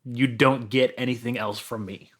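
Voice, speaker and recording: A man's voice: mid-range voice, fairly even intonation, normal speed, fairly bright tone, slightly rough. A man with a mid-range voice talks as a guest on a podcast. He speaks casually, in the loose conversational way of someone discussing music with friends.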